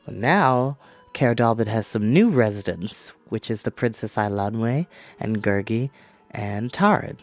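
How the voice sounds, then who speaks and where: A man reading a fantasy novel aloud as an expressive storyteller. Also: lowish voice, a little slow. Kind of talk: expressive audiobook-style narration. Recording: music playing behind the voice. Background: background music.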